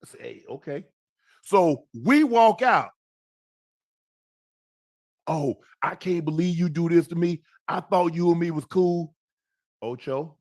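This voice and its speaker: A man's voice: fairly high pitch, animated, takes it slowly, long pauses, dry recording, studio quality. A man in his fifties telling a story casually as a podcast host, repeating phrases and calling out to his co-host for emphasis. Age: 50s.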